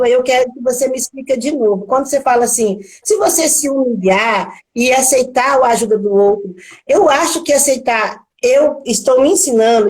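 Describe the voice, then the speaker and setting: A woman's voice: fairly high pitch, darkish tone, rough recording. A woman with a Brazilian Portuguese accent, a guest on a live-streamed talk, speaking casually and reflectively, often repeating words and restarting.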